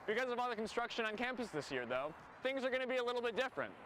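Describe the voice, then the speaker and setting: A man's voice: extremely high pitch, big pitch swings, very fast, slight background noise. A young man, a student reporter, giving a playful, goofy walkthrough of a parade route outdoors on campus. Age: young adult. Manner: playful, goofy, shouting cheers. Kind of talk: upbeat field segment. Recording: music playing behind.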